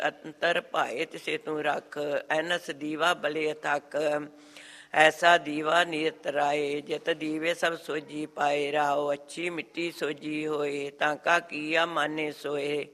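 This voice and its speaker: A man recites sacred verse at an unhurried pace, his fairly high voice held in a narrow, even line. Each phrase rings out into a long reverberant hall. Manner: measured, flat chanting cadence. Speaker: scripture reciter.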